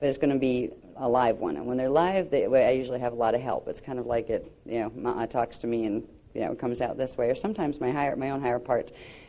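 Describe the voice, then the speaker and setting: Very fast speech rushes along with noticeable background noise behind it. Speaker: spiritual workshop teacher. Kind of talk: workshop lecture. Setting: live workshop with audience. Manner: fast at times; hesitant, many fillers and restarts.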